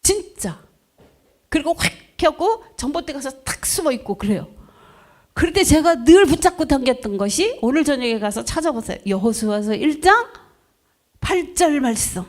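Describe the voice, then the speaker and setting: A woman's voice: high voice, normal speed. A middle-aged woman preacher telling her own testimony to a congregation, acting out quoted voices and asking the people questions. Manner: lively storytelling, acts out quoted voices, asks the congregation questions. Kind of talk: testimony sermon.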